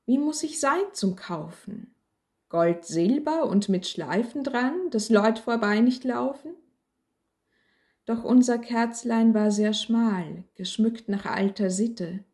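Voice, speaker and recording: A woman reading a rhyming Christmas story aloud as a storyteller, with a slow, measured, gentle recitation. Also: a little high.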